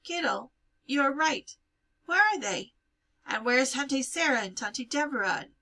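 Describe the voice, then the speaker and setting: An anxious young bride in a novel, voiced by a woman, superstitious and plaintive. The voice is bright and tense, lifting high as she frets. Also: animated, unhurried, heavily acted.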